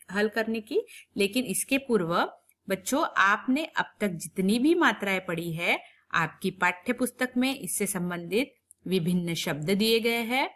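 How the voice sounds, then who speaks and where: A woman teacher giving a recorded phonics lesson to young children. She repeats every word and sound slowly and clearly, and stops to ask the children questions. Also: medium pitch, a bit bright. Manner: patient, questions the children directly. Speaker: primary school teacher.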